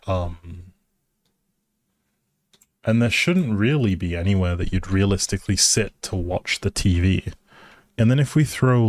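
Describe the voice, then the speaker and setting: A man's voice: deep voice, no room sound. A man giving casual live game commentary as a streamer, musing aloud in a hesitant way.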